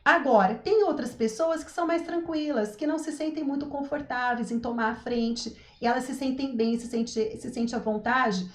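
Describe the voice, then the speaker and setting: A woman with a Brazilian Portuguese accent giving a live-stream talk on parenting, animated, acting out what parents say and checking in with her listeners. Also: high voice, normal speed, hardly any pauses, roomy sound. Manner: animated, acts out parents' lines, frequent "tá?" check-ins. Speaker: parenting coach.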